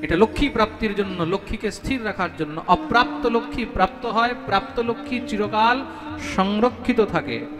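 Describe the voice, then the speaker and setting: High-voiced man preaching in echoing hall. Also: expressive, over music. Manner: calls on listeners, repeats questions, chants Sanskrit slowly. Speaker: Bhagwat preacher. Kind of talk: devotional discourse with chanted verses.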